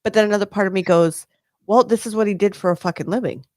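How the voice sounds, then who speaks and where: A woman's voice: medium pitch, quick pace, darkish tone, no room sound, studio quality. A woman co-hosting a casual podcast, talking in long rambling runs full of "like" and the odd swear word. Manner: rambling, many "like" fillers, swearing. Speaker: podcast co-host.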